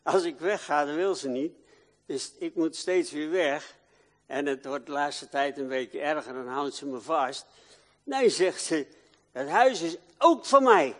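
An older man preaching a sermon in a church, swinging from loud declaiming to quiet, confiding talk. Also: fairly high pitch, measured pace, in a large hall.

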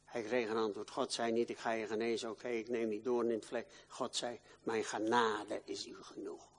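An older man preaching a sermon in a church, swinging from loud declaiming to quiet, confiding talk. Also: lowish voice, level tone, normal speed, long reverb tail.

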